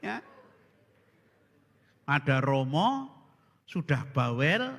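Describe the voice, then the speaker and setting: A man's voice: on the high side, big pitch swings, extremely slow, fairly bright tone, in a large hall. A man, a Catholic priest giving a humorous sermon who tells stories and acts out the people in them. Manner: jokey storytelling, acting out dialogue.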